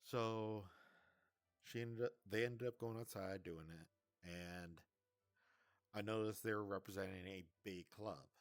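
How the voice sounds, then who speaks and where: A man's voice: lowish voice, fairly even intonation, unhurried, pauses often, dry recording, studio quality. A man casually recounting a breakup in a vlog, hesitant and rambling, often stammering and restarting.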